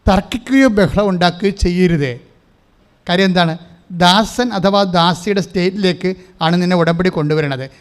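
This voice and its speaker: Male preacher, high and smooth, emphatic sermon delivery with call-and-response. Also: brisk. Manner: emphatic, has listeners repeat his phrases.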